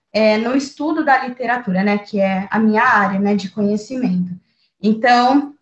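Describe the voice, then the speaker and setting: A woman's voice: on the high side, reverberant, dull audio. A Brazilian woman teacher talking through her teaching approach in an interview, thoughtful, with many fillers and restarts. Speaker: teacher and researcher, guest. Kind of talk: conversational interview.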